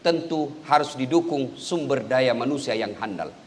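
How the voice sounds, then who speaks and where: A man preaching a sermon, swinging between loud calls and soft murmured prayers. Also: medium pitch, moderate pace. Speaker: Islamic preacher. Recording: long hall reverb.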